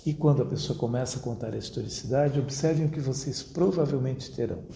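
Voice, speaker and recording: A man giving an academic lecture to an audience at a university, speaking in a measured, rhetorical way and addressing his listeners directly. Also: mid-range voice, vocal fry, dark tone. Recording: roomy echo, faint background noise.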